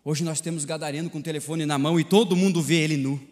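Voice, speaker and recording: Man, brazilian portuguese accent, preacher, sermon, shouts then hushes, repetitive cadence, long church-hall echo. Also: fairly even intonation, fast. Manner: swings between shouted climaxes and low, hushed passages. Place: church sanctuary.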